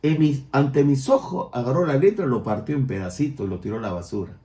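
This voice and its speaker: An older man with a Peruvian Spanish accent, preaching a sermon as pastor and rising loud on his key points. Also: medium pitch, expressive, brisk, echoey room. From Peru.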